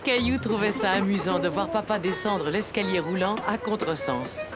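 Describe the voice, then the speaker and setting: A woman narrating a children's cartoon as a gentle storyteller, reading scripted lines in a storybook manner. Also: medium pitch, normal speed, over loud music, a loud crowd, lightly acted. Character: gentle storyteller narrating a little boy's adventures.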